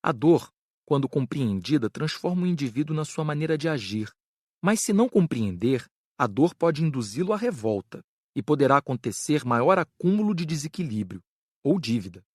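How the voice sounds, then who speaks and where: A man with a Brazilian accent playing an earnest spirit doctor who lectures on an audiobook, measured, didactic and carefully enunciated. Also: on the high side, big pitch swings, dry recording, studio quality. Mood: measured, instructive. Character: Frederico, earnest spirit doctor teaching karma.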